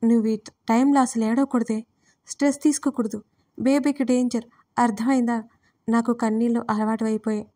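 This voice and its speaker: A woman voicing a heartbroken young woman who speaks to her older sister gently and teasingly. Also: fairly high pitch, flat delivery, brisk, no room sound, clean studio sound, lightly acted. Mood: soothing.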